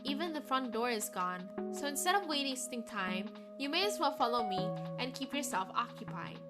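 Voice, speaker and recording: A woman's voice: sits high, animated, moderate pace, over loud music. A woman voicing a weary, resigned girl from a gothic mansion in a visual novel, speaking curtly.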